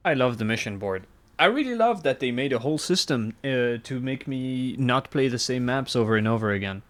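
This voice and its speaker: A man's voice: mid-range voice, lively intonation, brisk. A man streaming a game, chatting casually with crude jokes and frequent laughs. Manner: crude joking, laughs often. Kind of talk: casual gaming chat.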